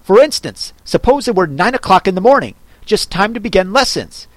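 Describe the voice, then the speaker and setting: A man voicing a fussy, contrary hatter who grumbles and talks down to others in quick bursts. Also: sits high, very animated, no room sound, voice pushed up. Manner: grumbling, contemptuous, quick talker.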